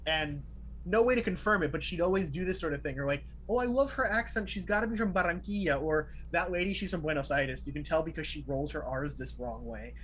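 In casual podcast chat, this co-host talks a lot and leans on fillers such as "like" and "right?"; he's from Miami, with family from Peru. His pitch is fairly high and his tone a bit bright, he speaks fairly quickly, and the audio is poor with faint background noise.

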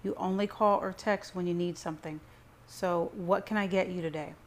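A woman's voice: fairly low pitch, steady tone, normal speed, a little hiss or hum, close to an everyday voice. A bitter young man, voiced by a woman narrator, talks in a curt, defensive snarl. He is a hot-tempered audiobook hero with little patience. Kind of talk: audiobook character reading.

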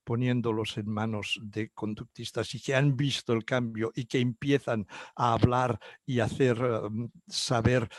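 A man's voice: mid-range voice, steady tone, unhurried, no room sound, clean studio sound. An older man whose first language is Catalan, answering interview questions in a hesitant way with many fillers and restarts. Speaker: guest psychologist.

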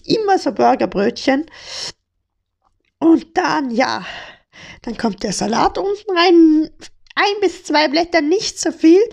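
Young woman from hamburg, joking around on her podcast, bouncy pitch. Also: creaky. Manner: playful, joking, slang-heavy. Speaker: podcast host. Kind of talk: casual chat.

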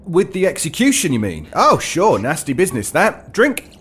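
An actor playing a polite, wry, uncanny fantasy shopkeeper in a horror audio drama. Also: male voice, on the high side, huge pitch swings, moderate pace, a bit bright, a little hiss or hum. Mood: genteel, insistent. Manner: polite, wry, arch phrasing. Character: courteous, droll, uncanny fantasy shopkeeper, male. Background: music.

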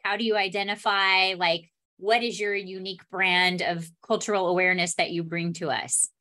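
A woman's voice: lowish voice, level tone, moderate pace, pushed and bright. An American woman hosting a podcast interview as a therapist, talking in an informal, chatty way. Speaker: podcast host, couples therapist.

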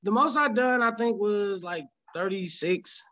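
A man with a high-pitched, bright voice tells stories about his early days on stage in a relaxed way, often laughing mid-sentence. His voice comes through a remote call, and the sound is dull and lo-fi. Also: measured pace. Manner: laid-back, laughs often while telling stories. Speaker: guest comedian. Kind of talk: casual podcast storytelling. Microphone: remote call line.

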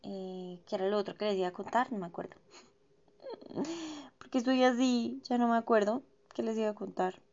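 A woman's voice: on the high side, moderate pace, darkish tone, lo-fi sound. A young woman from Bogotá, Colombia, with a Bogotá accent and a dry throat, chatting to her followers in a gossipy, self-mocking way full of slang. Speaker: vlogger. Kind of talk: casual chatty monologue.

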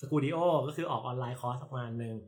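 Male guest explainer, mid-pitched, walks through examples with thoughtful hums. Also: a little fast. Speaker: guest teaching chatbot development. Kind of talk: casual tech podcast chat.

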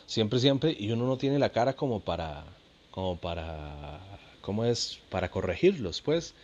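A man's voice: fairly low pitch, sing-song, unhurried, darkish tone, dull audio. A Costa Rican man in his thirties, a comedian telling funny stories in a chatty, slangy monologue with laughs. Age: 30s. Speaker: comedian and podcast host. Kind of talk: casual storytelling monologue.

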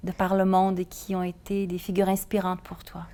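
A woman hosting an interview, asking friendly, measured questions. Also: lowish voice, completely flat delivery, warm tone. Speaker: host.

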